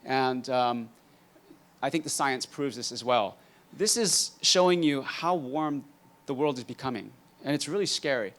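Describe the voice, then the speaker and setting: A man in his fifties from Hawaii, giving a conference master class in a relaxed, dry-humored way with frequent ums. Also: medium pitch, a little slow. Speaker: guest speaker, entrepreneur.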